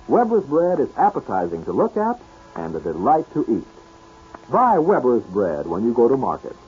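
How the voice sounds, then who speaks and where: A man in the manner of an old radio announcer, reading scripted sponsor copy. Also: mid-range voice. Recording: tinny vintage radio broadcast.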